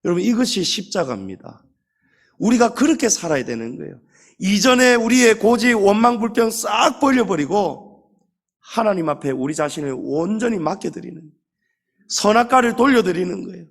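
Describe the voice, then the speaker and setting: High-voiced, animated preaching man. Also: vocal fry. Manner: emphatic preaching, slows down and stretches key words; addresses the congregation directly. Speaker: pastor. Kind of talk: sermon.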